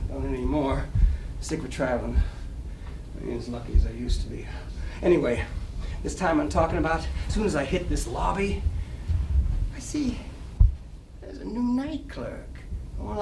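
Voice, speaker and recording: An actor playing a cocky, wistful small-time 1920s New York gambler, telling rambling stories in slangy wiseguy talk at a dramatic play reading. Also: male voice, medium pitch, close to an everyday voice. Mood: wistful, resigned, then boastful, jaunty. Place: library reading room. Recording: roomy distant live recording, clear noise.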